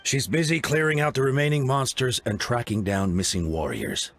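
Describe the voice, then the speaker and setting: An actor playing a grave, composed tribal leader in a video game, speaking in a formal, measured way. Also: male voice, mid-range voice, lively intonation, a bit bright, a little hiss or hum. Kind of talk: scripted game voice acting.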